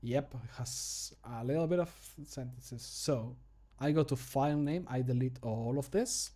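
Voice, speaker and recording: Recording mod voice lines on a livestream, this thirtysomething streamer chats casually from a small home room, cracking jokes, commenting on his actions and swearing a bit. He speaks at a measured pace in a warm, mid-range voice.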